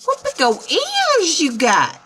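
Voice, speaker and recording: A woman voicing a sassy, sharp young girl in a red hood, with high, drawn-out sing-song calls. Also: wildly swooping pitch, a little hiss or hum, exaggerated voice. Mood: sweet questioning.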